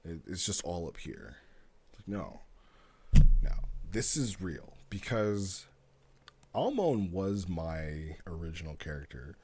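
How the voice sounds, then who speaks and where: A man giving casual, explanatory commentary as a streamer, talking through a story in an animated way. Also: low-pitched, slow, husky. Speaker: streamer reviewing roleplay stories.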